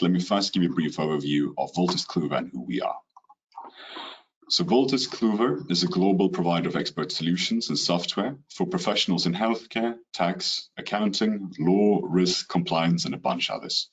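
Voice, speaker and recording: Presenting a rehearsed business webinar on a video call, a Swedish man with a Swedish accent speaks steadily, with an occasional "you know" filler. His low, slightly rough voice comes through a computer mic with the highs cut off.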